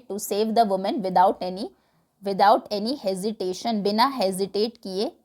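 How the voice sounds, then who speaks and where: An Indian woman teacher explaining a textbook lesson. She reads English lines slowly and then explains them in Hindi. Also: a little high, a little mellow.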